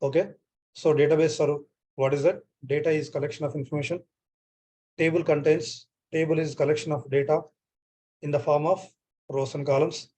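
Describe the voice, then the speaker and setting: Indian male trainer, fairly high voice, repetitive online-class delivery over a laptop mic. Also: fairly even intonation, fairly quick, darkish tone, husky. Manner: repeats phrases often, checks on students.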